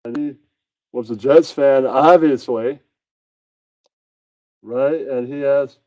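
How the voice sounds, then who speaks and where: A man voicing an awkward, eager puppet comedian in a parody stand-up act, with stilted setups and hammy loud punchlines. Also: medium pitch, slow pace, no room sound, lo-fi sound, lightly acted.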